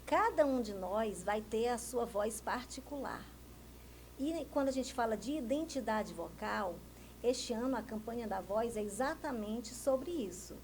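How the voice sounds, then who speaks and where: A woman's voice: on the high side, animated, unhurried, darkish tone, a little hiss or hum, rough recording. A woman from Brazil, a speech therapist, explaining voice health in a TV interview and often answering her own questions. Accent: Brazilian Portuguese. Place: TV news studio.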